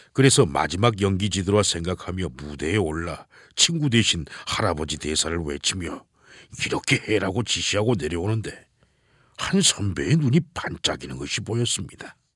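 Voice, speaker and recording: A raspy, put-on character voice with lively intonation, delivered at a moderate pace. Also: man, very deep, low pitch for a man. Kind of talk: audiobook memoir reading. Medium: read story. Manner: reflective, measured.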